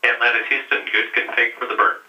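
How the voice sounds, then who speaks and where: A man's voice: mid-range voice, little pitch movement, fast talker, bright, forceful tone, reverberant, distant mic. A man giving terse, procedural mission control calls over a crackly space-to-ground radio link. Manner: clipped, procedural. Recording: noisy lo-fi radio loop from afar.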